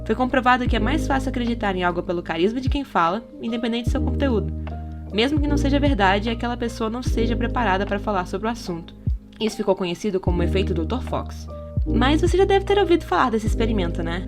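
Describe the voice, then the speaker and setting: A woman's voice: fairly high pitch, expressive, quick pace. A Brazilian woman reading a scripted podcast essay in an explanatory manner, often posing rhetorical questions. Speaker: podcast narrator. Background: background music.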